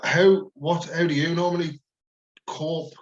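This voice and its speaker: A man's voice: on the high side, steady tone, a little slow. A man hosting a podcast, asking casual, rambling questions in an informal way on a dull lo-fi recording. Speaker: podcast host, interviewer. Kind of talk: casual interview chat. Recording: dull lo-fi microphone sound.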